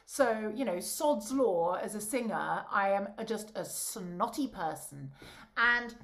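A woman, an opera singer and voice coach, chatting in a bubbly, animated way and laughing often over a video call. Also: medium pitch, slow pace. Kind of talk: casual chat.

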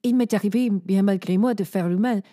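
An actress playing a gentle, troubled young psychic in an audio drama, speaking softly and hesitantly. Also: female voice, mid-range voice, brisk, no room sound, studio quality, lightly acted. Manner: soft and hesitant.

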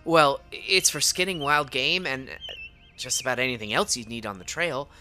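A woman's voice: a bass voice, lively intonation, normal speed, sharp tone, soft background music, exaggerated voice. A woman playing a prim, earnest and awkward teenage Boy Scout in a tabletop audio drama, formal and stammering. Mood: nervous pride.

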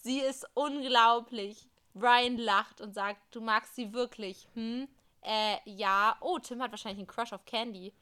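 Brief: woman co-host, bright tense voice, reading a story game aloud in a lively sing-song. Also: fairly high pitch, measured pace, clear, resonant tone. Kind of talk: casual reading of an interactive story with asides.

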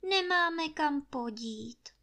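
A woman's voice: high-pitched, expressive, sharp tone, voice pushed up, heavily acted. A woman voicing a meek but cunning young peasant housemaid who pleads humbly and sweetly in a storybook reading. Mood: wheedling. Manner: humble, wheedling, sugary pleading.

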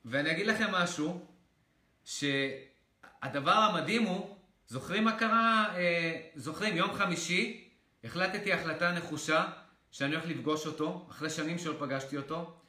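A man telling viewers a personal story in casual talk, animated and excitable, slipping into excited outbursts and the odd swear. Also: on the high side. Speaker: motivational creator. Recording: echoey room.

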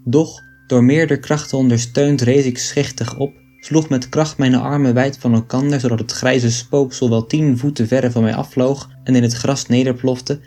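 Male narrator with a dark, warm voice for a measured reading of an old text, soft music underneath. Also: mid-range voice, steady tone. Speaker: reader of an old book. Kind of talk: scripted narration of an 18th-century text.

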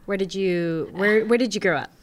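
A woman's voice: medium pitch, normal speed. A woman co-hosting an interview podcast, asking casual questions and reacting with effusive exclamations. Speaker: podcast co-host.

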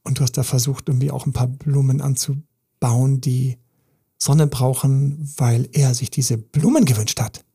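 A man's voice: medium pitch, fairly even intonation, measured pace, dark tone, husky. A man, a relationship coach giving an emphatic, intense podcast monologue full of repetition.

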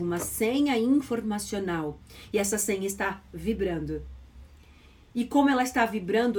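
A woman, a mental coach giving a motivational podcast lesson, emphatic and repetitive as she stresses key phrases. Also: mid-range voice.

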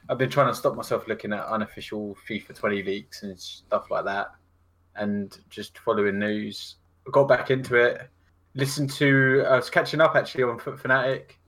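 A man's voice: mid-range voice, sharp tone. A man co-hosting a casual video podcast, fidgety and joking, laughing in the middle of sentences. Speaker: podcast co-host.

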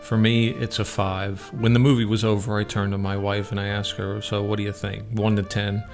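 A man's voice: fairly low pitch, little pitch movement, normal speed, creaky, music in the background. A man hosting a radio show, giving casual, opinionated film reviews in a conversational way.

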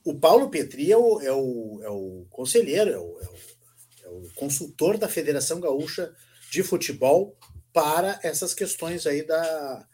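A man's voice: a little high, big pitch swings, normal speed, warm tone, husky. A man from Rio do Sul hosting a casual interview, steering the conversation and greeting listeners. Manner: friendly, guides the talk and greets listeners. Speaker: interview host.

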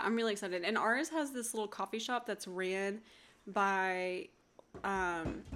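A woman co-hosting a podcast in relaxed, chatty conversation. She rambles through her stories with plenty of fillers, in a voice of ordinary pitch. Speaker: podcast co-host. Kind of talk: casual chat.

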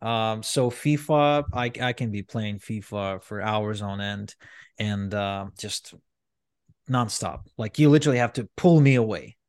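A man's voice: fairly low pitch, a little slow, smooth, no echo. Rambling man, dry sound. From Ukraine. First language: Russian. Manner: rambling, frequent restarts and fillers. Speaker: podcast guest, entrepreneur. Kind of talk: candid storytelling interview.

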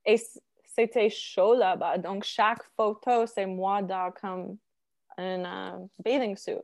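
A woman, native English speaker, chatting casually in halting French with an English-speaking accent, searching for words and slipping into English. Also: mid-range voice, steady tone, darkish tone. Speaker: interview guest.

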